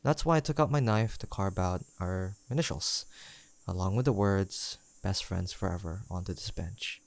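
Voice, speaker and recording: A young man playing a sentimental, teasing longtime best friend in an intimate audio roleplay, pausing for an unheard listener. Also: low voice, vocal fry, no room sound. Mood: reflective storytelling. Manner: soft-hearted, playful banter with pauses for an unheard listener.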